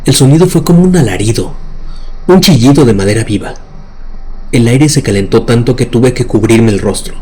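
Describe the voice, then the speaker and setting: A man's voice: medium pitch, expressive, moderate pace, mellow, husky. A man narrating scripted horror stories in a dramatic, suspenseful way. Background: music bed.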